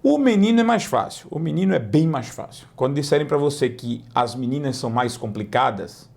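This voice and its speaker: Lively gravelly teacher. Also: male voice, medium pitch. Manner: slow, drawn-out model pronunciations between quick explanations. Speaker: English teacher. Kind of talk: lively language lesson.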